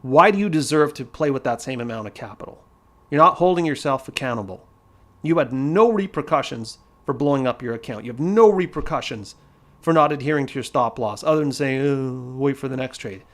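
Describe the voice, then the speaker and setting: A man's voice: medium pitch, expressive, fairly quick, a bit bright. A man in the middle of his vocal range who talks straight and hard, like a friend who won't sugarcoat anything. He teaches on a loose, casual stream and drives each point home through repetition. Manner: blunt, emphatic, repeats key points. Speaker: trading educator.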